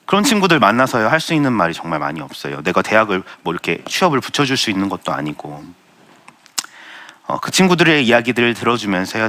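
Earnest young man giving a bright testimony. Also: on the low side. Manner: earnest, self-deprecating storytelling with light laughs. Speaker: Christian speaker sharing testimony. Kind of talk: testimony talk with audience Q and A.

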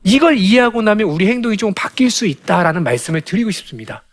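A man giving a lecture to parents on raising children, animated and full of rhetorical questions. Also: sits high, fast. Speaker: parenting educator.

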